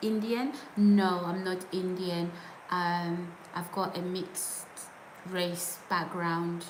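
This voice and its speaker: Speaking very slowly with long, frequent pauses, a woman with a fairly low pitch and fairly even intonation is heard over noticeable background noise and audible room echo. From England. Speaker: live streamer. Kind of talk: live stream chat.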